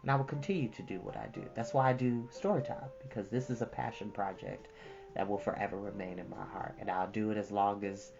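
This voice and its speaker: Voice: sits low, fairly even intonation, fairly quick, gravelly, dull audio, over music. A storytime host speaking to children, moving between earnest, preachy casual asides and storybook reading, repeating points for emphasis.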